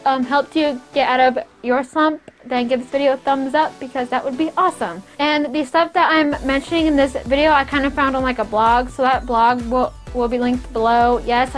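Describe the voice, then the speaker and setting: Young girl vlogging, pretty high voice, lots of likes and kind ofs, giggly, some soft music behind. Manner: rambling, many "like" and "kind of" fillers, giggly; stutters at times. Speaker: YouTuber. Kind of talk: casual vlog advice.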